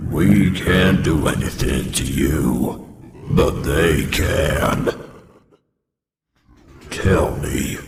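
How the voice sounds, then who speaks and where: A man voicing a hateful, vengeful animatronic from a horror game, with a gravelly growl and a threatening delivery. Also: rumbling low, heavy background noise, full character voice. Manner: slow, threatening. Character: vengeful male burned nightmare animatronic, hateful and sinister. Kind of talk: horror game villain voice lines.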